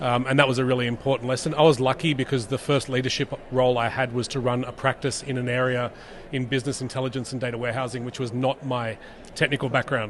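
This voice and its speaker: A man with an Australian accent at medium pitch and a very fast pace, monotone and flat, over noticeable background noise. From Australia (Sydney). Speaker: tech executive. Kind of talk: interview. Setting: live at a tech summit.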